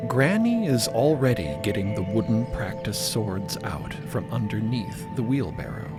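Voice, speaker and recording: A man narrating a scripted fiction podcast as an expressive storyteller. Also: fairly low pitch, a little slow, loud music behind the voice. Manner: expressive, present-tense storytelling.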